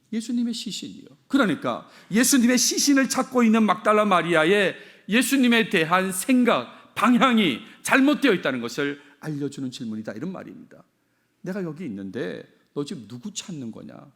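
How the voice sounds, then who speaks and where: A man's voice: high-pitched, sing-song, a little fast, fairly bright tone. A middle-aged man preaching a sermon as senior pastor, repeating key phrases and putting questions to the congregation.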